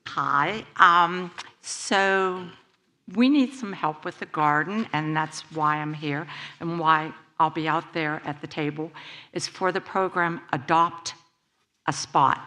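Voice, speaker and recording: A woman's voice: low-pitched, fairly even intonation, slow, pushed and bright. A woman making an informal volunteer announcement at a church service.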